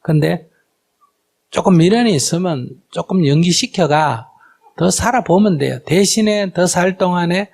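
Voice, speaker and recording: A man teaches as a Buddhist monk in a live question-and-answer talk. His voice sits high and has a gravelly rasp. He keeps tossing rhetorical questions to the hall and slips into other voices to act out little exchanges. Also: measured pace. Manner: rhetorical questions to the audience, acts out quoted exchanges in lively shifting voices. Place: lecture hall with audience.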